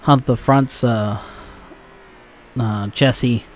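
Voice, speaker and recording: A young man talks over his own racing gameplay in a relaxed, unhurried way, drifting between thoughts with plenty of ums and uhs and the occasional swear. His voice sits at an ordinary middle pitch. A faint hum of room noise stays underneath. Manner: rambling with frequent fillers and profanity. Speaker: gaming channel host. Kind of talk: casual gameplay commentary.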